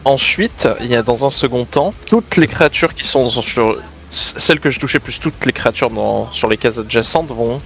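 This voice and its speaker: A man's voice: mid-range voice, normal speed, vocal fry, a bit bright. A man playing a tabletop role-playing game, casually talking through his move and the rules.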